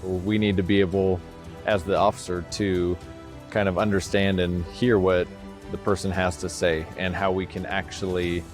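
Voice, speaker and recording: Deep-voiced oregon cop, steady and plain, music faint behind. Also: male voice, moderate pace. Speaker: police officer. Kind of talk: recruitment video interview.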